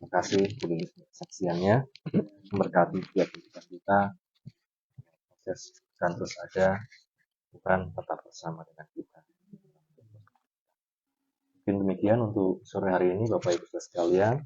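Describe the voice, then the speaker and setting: A man leading a home Bible study, giving calm, formal closing remarks. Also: sits low, a little fast, pauses often, breathy edge. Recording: dull lo-fi recording.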